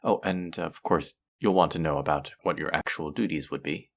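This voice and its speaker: A man playing a suave, pleasant supervillain in a scripted audio roleplay, speaking in a polished, measured, theatrical and amiable way. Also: a bass voice, vocal fry, fairly bright tone, heavily acted. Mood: businesslike, inviting. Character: suave, pleasant male supervillain interviewing a minion recruit. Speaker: voice actor. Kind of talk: scripted roleplay audio drama, conversational monologue.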